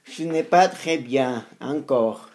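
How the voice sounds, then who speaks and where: A woman who is a non-native beginner in the language, talking unscripted to practice for a channel, halting and repeating phrases as she searches for words. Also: extremely low pitch, a little mellow. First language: not French. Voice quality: non-native, beginner French with frequent errors. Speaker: language learner making practice videos for own channel.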